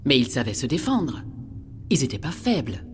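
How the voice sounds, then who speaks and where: A woman's voice: very animated, normal speed. A woman playing an inquisitive, wondering scholar from a far-future world in a scripted science-fiction audio drama. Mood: sober, curious. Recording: rumbling noise behind the voice.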